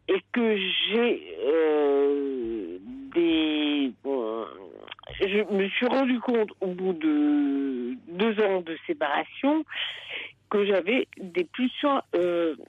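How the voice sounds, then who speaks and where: A woman calls in over a tinny, narrow cordless phone line, her voice muffled and thin. She talks slowly and haltingly, pausing often to search for words. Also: deep voice, very animated, no echo. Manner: hesitant, halting, with many pauses. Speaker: caller. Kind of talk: late-night radio call-in confession. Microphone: cordless home phone handset.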